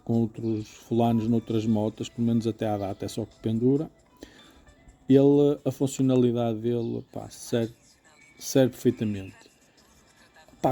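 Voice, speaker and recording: Very dark-voiced Portuguese man, casual reviewer. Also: mid-range voice. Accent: European Portuguese. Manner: informal, explanatory, often checking with "ok?". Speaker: motorcycle gear reviewer. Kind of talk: casual product review, hands-on demonstration.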